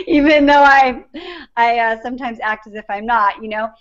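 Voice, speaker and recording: Middle-aged woman guest telling her story, earnest and reflective, kinda high, muffled audio. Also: measured pace. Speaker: guest life coach. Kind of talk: interview answers, personal story. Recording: dull lo-fi recording.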